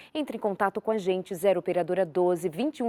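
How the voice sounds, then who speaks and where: The sound is dry and close, without any echo. It is a woman talking. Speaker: TV show host. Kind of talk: live TV talk show presentation.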